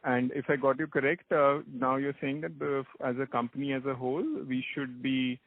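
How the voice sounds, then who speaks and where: Male analyst, Indian accent, gravelly voice, hesitant wordy questions, dry phone audio. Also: mid-range voice, level tone, normal speed, dry recording. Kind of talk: unscripted conference call questions. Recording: dry, narrow phone line.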